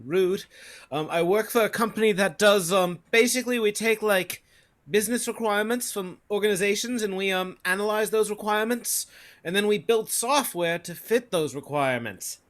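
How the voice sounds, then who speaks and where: A hesitant, mid-pitched voice as a woman acts a meek tech worker. The delivery is awkward and mild, a plain reading of a comedy script. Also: moderate pace, natural voice. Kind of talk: virtual table read of a comedy script.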